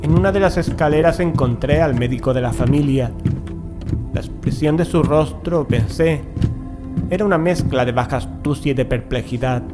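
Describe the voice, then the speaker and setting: A man reading a gothic horror tale as an audiobook narrator, in a measured, deliberate manner with dramatic pauses. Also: fairly high pitch. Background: music.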